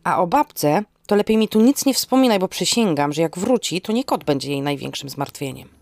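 A woman's voice: lowish voice, animated, brisk, vocal fry, darkish tone, no echo. A woman playing an exasperated, sarcastic young niece in an audio drama, with an ironic, snappish way of speaking. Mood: exasperated, defensive. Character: exasperated sarcastic young niece tidying grandmother's forest cottage.

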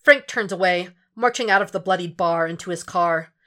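A woman's voice: lowish voice, normal speed, bright, forceful tone. A woman reading scripted fiction aloud as an audiobook narrator, in a dramatic storytelling style.

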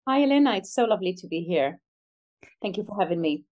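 A woman's voice: mid-range voice, expressive, fast talker, darkish tone. A middle-aged woman from Algeria speaking as an interview guest, reflective and conversational, earnest and emphatic about her work as a coach.

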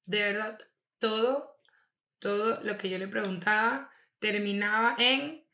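A woman's voice: medium pitch, takes it slowly, bright, forceful tone. A young woman, gossiping casually as a podcast co-host and laughing often. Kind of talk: casual chat. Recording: roomy echo.

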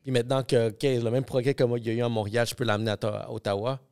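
Animated podcast host. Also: male voice, medium pitch, racing, clean tone. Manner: animated, fillers like "comme, yo", thinks aloud. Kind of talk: casual podcast chat.

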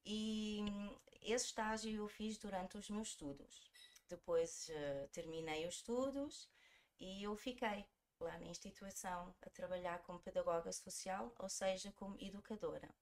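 A woman's voice: mid-range voice, measured pace. A woman in her forties from Germany with a European Portuguese accent, telling her story conversationally as a podcast guest. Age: 40s.

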